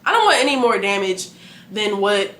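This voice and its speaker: Young woman in her 20s, vlogger, bright voice, animated and frank, echoey room. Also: mid-range voice, normal speed. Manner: animated, candid, laughing, profane. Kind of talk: casual chat to camera.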